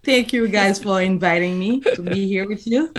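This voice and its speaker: A woman in her thirties from Haiti, a podcast guest speaking haltingly with simple phrasing and shy laughs. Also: medium pitch. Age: 30s. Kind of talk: casual podcast interview.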